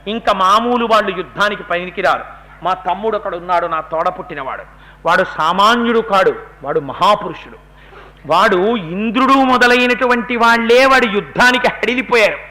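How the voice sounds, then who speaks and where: A man's voice: high voice, normal speed, bright, forceful tone. A man giving a devotional epic discourse, telling the story and acting out the characters' words with rising intensity. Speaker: religious discourse speaker.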